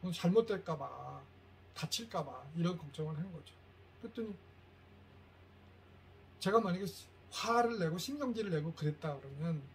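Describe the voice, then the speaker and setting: A middle-aged man giving a lecture to parents, telling stories and acting out quoted lines with lively shifts. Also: high voice, a little hiss or hum. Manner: animated storytelling, acts out quoted lines.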